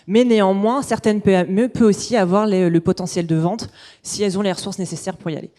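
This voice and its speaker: A woman presents her company as its founder. Her voice is mellow and soft-edged, sitting at a middle pitch as she delivers a business pitch. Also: fairly even intonation, fast.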